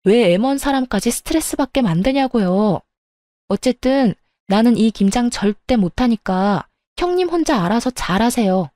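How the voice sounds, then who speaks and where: A woman's voice: on the high side, expressive, normal speed, dry recording, close to an everyday voice. A woman playing a fed-up young wife who talks back sharply to her in-laws, in a story radio drama. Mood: defiant. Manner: sharp, retorting.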